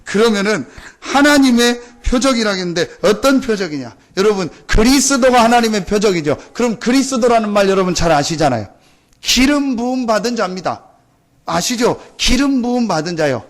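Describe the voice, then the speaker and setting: High-pitched, intense male preacher. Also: lively intonation, normal speed. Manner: intense, emphatic, earnest; repetitive rhetorical questions to listeners.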